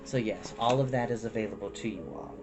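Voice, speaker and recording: With a lowish voice and a quick pace, a man hosts an online storytime show over background music. He chats casually, then reads a storybook with lots of expression.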